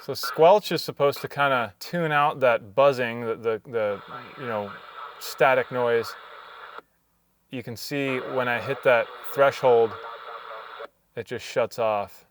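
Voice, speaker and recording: A man's voice: medium pitch, slow, noisy background. A man vlogging in a casual, chatty way, explaining things informally as he does a hands-on demo. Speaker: vlog host.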